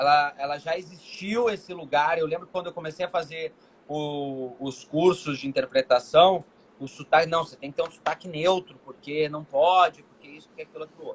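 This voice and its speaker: Fairly even intonation from a fairly high male voice, moderately paced. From southern Brazil, Porto Alegre (Rio Grande do Sul). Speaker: actor and casting producer. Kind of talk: interview. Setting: video call live stream.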